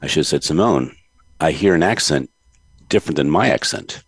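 Deep-voiced relaxed male host, dry sound. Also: brisk, breathy edge, no room sound. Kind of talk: casual interview chat.

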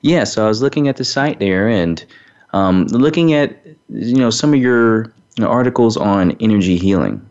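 A male show host interviewing a guest, talking haltingly with frequent fillers. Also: fairly low pitch, expressive, a little mellow. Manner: halting, frequent um and you know. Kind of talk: interview hosting. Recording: dull lo-fi recording.

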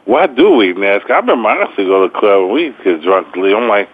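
A man's voice: on the low side, lively intonation, quick pace. A man hosting a sports radio talk show, rambling casually with lots of fillers and slang. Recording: tinny phone line.

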